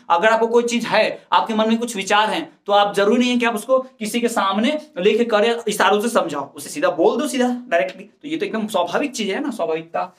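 A man with a rather high voice teaches an exam-preparation class. He explains each point patiently, works through examples and repeats the key terms so students can follow. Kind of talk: exam-prep lecture.

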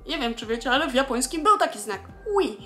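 A young woman with a high voice chats her way through a casual vlog explanation. She sounds lively and talkative and fills her pauses with little hesitation sounds. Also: faint music behind. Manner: chatty, lively, many filler sounds. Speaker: vlogger explaining Japanese.

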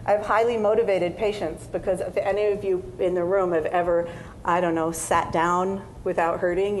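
A woman's voice: on the low side, slight background noise, rough recording. Chatty woman giving a conference talk. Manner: conversational, with fillers and quoted asides. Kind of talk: conference lecture. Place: conference stage.

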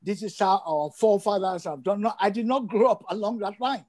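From indoors at home, an older man from Sierra Leone takes part in a video call interview as a guest. His voice sits high and is a little mellow, fairly quick, and he stresses his points by emphatically repeating phrases.

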